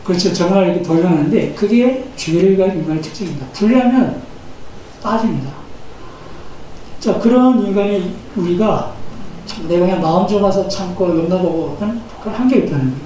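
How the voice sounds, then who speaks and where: A man's voice: sits high, animated, brisk, mellow. A man in his fifties preaching a sermon as pastor, earnest and building emphasis as he speaks. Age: 50s. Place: church sanctuary. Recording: echoey church hall, mic at a distance, faint noise.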